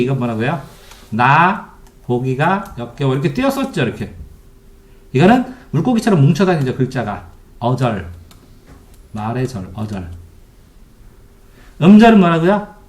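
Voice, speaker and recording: A man's voice: a little high, darkish tone. A middle-aged man tutoring Korean literature online, explaining terms and quizzing his students with repeated questions. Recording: echoey room, keyboard typing behind.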